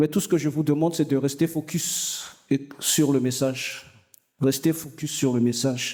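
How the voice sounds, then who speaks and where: A man with a Malagasy accent speaks at a fairly slow pace with a fairly high pitch and a dark, mellow tone. His intonation is fairly even and his loudness very even. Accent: pronounced Malagasy accent in French. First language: Malagasy (speaking French). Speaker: preacher. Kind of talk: sermon. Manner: halting, with hesitations and repetitions.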